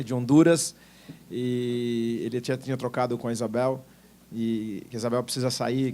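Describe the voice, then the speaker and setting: A man's voice: medium pitch, darkish tone, a little hiss or hum. A man moderating an academic conference panel and introducing the next speaker in a casual, informal way.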